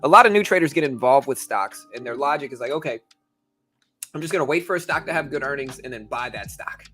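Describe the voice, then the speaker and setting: A man's voice: mid-range voice, expressive, fast talker, bright, forceful tone, faint music behind. A man hosting a livestream, chatting casually and informally, speaking directly to his viewers. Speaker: livestream host.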